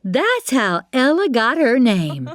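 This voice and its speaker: A woman's voice: a little high, wildly swooping pitch, slow pace, crowd noise. A woman storyteller narrating a children's fairytale expressively, with chatty asides to young listeners. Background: music.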